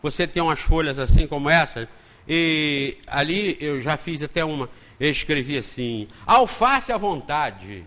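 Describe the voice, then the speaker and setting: A Brazilian man lectures at a spiritist center, slightly high-voiced and very lively in his pitch. He talks in an easy, joking way and slips into acted-out exchanges to make his point. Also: a little slow. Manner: conversational and joking, acts out dialogue. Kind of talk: spiritist lecture with homely anecdotes.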